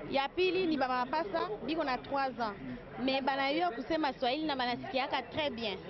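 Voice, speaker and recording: A woman speaking lively, switching between languages in a street interview. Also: high voice. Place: busy street outdoors. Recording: dull lo-fi street recording with crowd.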